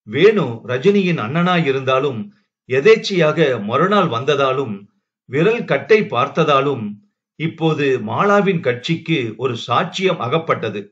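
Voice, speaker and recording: A man narrating a family novel in measured storytelling, then chatting directly with listeners. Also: fairly high pitch, a bit bright. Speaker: audiobook narrator. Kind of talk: reading a family novel aloud. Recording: dull lo-fi recording.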